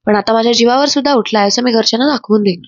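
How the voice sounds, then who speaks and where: A woman's voice: on the high side, very fast, lightly acted. A woman voicing a spiteful, scheming young wife who taunts her husband. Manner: sharp, scornful taunting. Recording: dull, dry voice-over.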